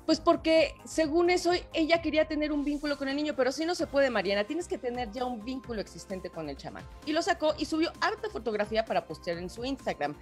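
A woman with a Mexican accent co-hosting a casual talk show, gossiping in slang and calling her listeners brothers. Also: high voice. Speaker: co-host. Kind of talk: casual political gossip chat.

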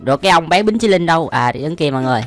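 A young man talks very fast in a slightly high, expressive voice, giving casual, exclamation-heavy reactions as a YouTube host who often finds things funny. Music plays behind him.

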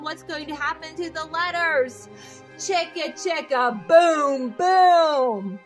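Lady doing a kids read aloud, highish voice, really slow n sing-songy, bit of music. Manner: slow, expressive, sing-song, talking directly to children. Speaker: children's book reader. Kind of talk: read-aloud storytelling for young children.

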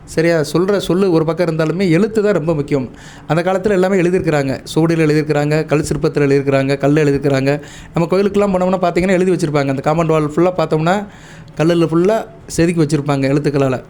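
A man with a Tamil accent giving devotional advice to viewers, measured and instructive, stopping often to check that listeners follow. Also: a little high. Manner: chants mantras and praise lists in a steady recitation. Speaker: astrologer.

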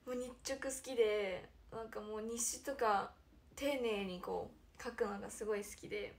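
A young woman hosting a casual livestream chat, giggly and animated, who often drops to a near-whisper. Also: medium pitch, normal speed. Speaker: idol livestream host.

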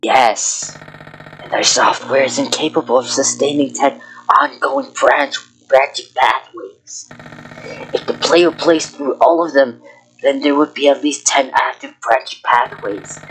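A man's voice: medium pitch, a bit bright, a little hiss or hum, rough recording. Mock-serious man playing a game. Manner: mock-serious, jokey, breaks into laughter. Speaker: game player. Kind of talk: casual gameplay chat.

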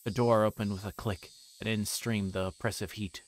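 A man livestreaming a visual novel, reading it aloud in a casual, halting way that stumbles over words. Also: fairly low pitch, steady tone, slight background noise. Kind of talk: casual narrated read-aloud.

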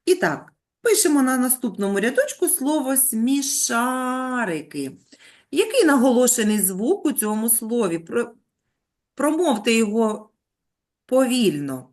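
A woman's voice: on the high side, big pitch swings, normal speed, darkish tone. A woman teaching young children on a video call, patient and coaxing, praising them with pet names. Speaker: primary school teacher. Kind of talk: online lesson for young children.

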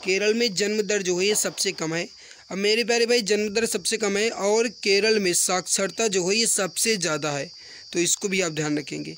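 A man teaching an exam-prep mock test online, reading out questions and answers briskly and addressing viewers as friends, often repeating himself. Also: high-pitched, a bit bright. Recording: rattling wind noise in the background. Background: wind noise from a storm outside.

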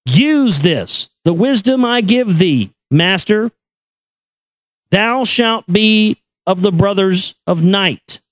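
A man giving a solemn, measured reading of an esoteric text in an incantatory, deliberate manner. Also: high voice, expressive, no echo. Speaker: reader and commentator. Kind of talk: solemn recitation of an esoteric text with brief asides.

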